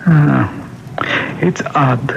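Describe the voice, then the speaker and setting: An actor playing a courteous, earnest Catholic priest in an old-time radio mystery, gently hesitant and deferential, on a muffled vintage broadcast. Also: male voice, medium pitch, extremely slow, vocal fry, a little hiss or hum, heavily acted. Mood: thoughtful, troubled.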